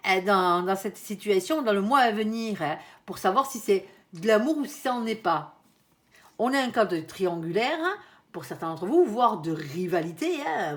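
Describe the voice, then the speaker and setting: A woman giving a casual, chatty tarot reading, often tagging her sentences and speaking to her guardian angel. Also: mid-range voice. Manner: chatty, frequent tag "hein", addresses her angel. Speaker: tarot card reader.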